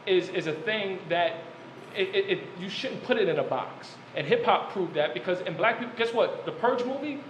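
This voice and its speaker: A man's voice: sits high, expressive, moderate pace, dull audio. A man in a casual group debate, talking in a slangy, profane and opinionated way. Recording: echoey room, noisy background.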